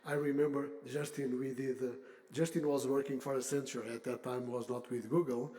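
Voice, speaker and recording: An older man, a chief executive, giving a semi-formal unscripted conference speech with halting, deliberate phrasing. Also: mid-range voice, dark tone, rough recording. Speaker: industry association CEO, panel speaker.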